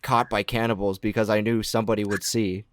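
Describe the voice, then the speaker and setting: A man's voice: lowish voice, level tone, fairly quick, no room sound. A young man from Arizona co-hosting a podcast, talking in a laid-back, hedging way. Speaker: podcast co-host. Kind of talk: casual podcast chat.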